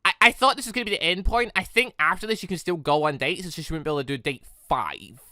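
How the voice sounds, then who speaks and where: Fast, animated and pushed, a mid-range voice with a bright edge delivers casual, rambling gaming commentary. The host is chatty and digressive, frequently backtracking to correct himself, and the recording is dry and studio quality.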